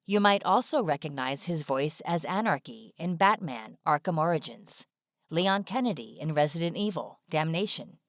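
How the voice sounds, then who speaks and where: A woman's voice: sits low, expressive, moderate pace, dry recording. A woman reading scripted informational narration as a studio-style voice-over. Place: dry studio-like voice-over recording.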